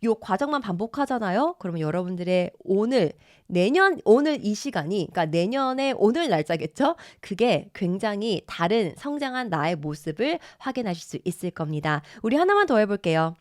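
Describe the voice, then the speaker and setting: A woman teaching an English pronunciation lesson who repeats phrases slowly and often praises her listeners. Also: medium pitch, big pitch swings, no echo, clean studio sound.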